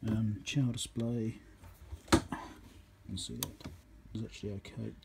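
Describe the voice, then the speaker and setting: Low-voiced New man, noisy workshop recording. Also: fairly even intonation, measured pace, creaky. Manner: matter-of-fact, thinking aloud in short fragments. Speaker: electronics repairer presenting a repair video. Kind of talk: casual unscripted workbench commentary. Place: indoor electronics workbench.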